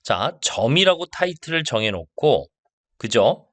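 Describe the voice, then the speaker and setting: Man teaching math, lively pitch. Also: no echo. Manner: slow and stressed on key terms, asks checking questions. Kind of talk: lecture.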